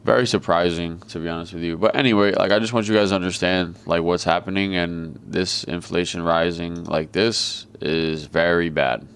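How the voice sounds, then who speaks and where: A man giving live trading commentary in a flat, monotone way, talking casually and bluntly with plenty of swearing over a video call. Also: low voice, normal speed, hardly any pauses, clear, resonant tone. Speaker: trader and market commentator.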